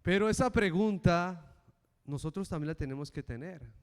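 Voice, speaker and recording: A middle-aged male preacher giving a sermon and telling a personal story with animated, acted-out voices. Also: sits high, moderate pace, clean tone. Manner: animated storytelling, acting out the characters. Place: church. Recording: reverberant church hall.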